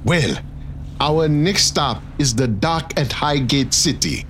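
A fussy, stern skipper played by an actor in an audio drama. The delivery is formal and slow with animated pitch, over faint boat noise. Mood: stern, measured. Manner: formal, clipped, indignant.

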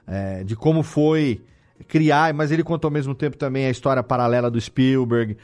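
A man's voice: medium pitch, normal speed, darkish tone. A Brazilian man hosting a conversational podcast interview, speaking in an emphatic, colloquial way. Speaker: podcast host.

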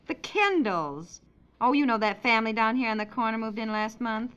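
High-voiced, flustered 1950s radio housewife. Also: female voice, lively intonation, moderate pace, fairly bright tone, smooth, muffled recording. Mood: chatty. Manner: fretful, exasperated, talkative. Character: flustered, chatty housewife and mother preparing a bridge luncheon. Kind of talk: 1950s radio comedy acting. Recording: hissy old 1950s radio recording.

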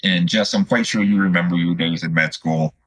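A man in his fifties from Chicago, answering as a podcast guest in a conversational, halting and reflective way. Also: low voice, fairly even intonation, fairly bright tone, slightly rough. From Chicago, United States. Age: 50s. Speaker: podcast guest, student physical therapist.

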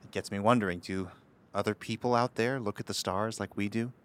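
An actor playing an earnest, anxious young city leader in an audio drama, speaking in a hesitant, halting way. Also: male voice, on the low side, steady tone, smooth, lightly acted. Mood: wistful.

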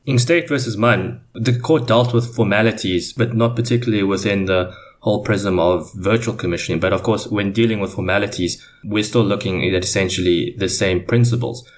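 A man's voice: on the low side, slight background noise. A man giving formal, wordy explanations as a panelist in a semi-scripted legal discussion.

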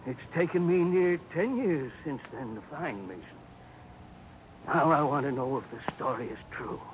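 Male actor as vengeful western father, raised pitch, menacing, accusing, radio drama, muffled vintage recording. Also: expressive, normal speed, close to an everyday voice. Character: Smitty, bitter vengeful armed father, older westerner. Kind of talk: old-time radio western acting. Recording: dull, faintly noisy old radio recording.

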